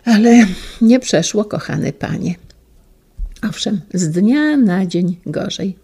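A woman playing a frail old teacher, slow and husky. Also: mid-range voice, lively intonation, full character voice. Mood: sorrowful. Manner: soft, halting and tender. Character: frail elderly male schoolteacher, gentle, wistful.

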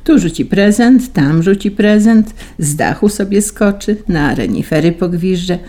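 Woman narrator, storybook reading, slow, dark husky tone. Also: mid-range voice, animated.

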